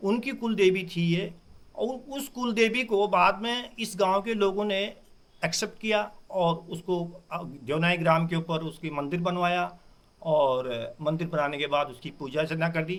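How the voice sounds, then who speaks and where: A high-pitched man with lively intonation. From Uttarakhand, Kumaon (Bageshwar). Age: 60s. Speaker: village elder, farmer. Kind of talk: news interview.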